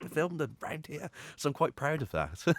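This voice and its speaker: A man with a Midlands accent talks at a fairly quick pace, with vocal fry. The recording is very clean, with a silent background and a dry, close sound with no echo. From English Midlands. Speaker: puppeteer. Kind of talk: casual chat.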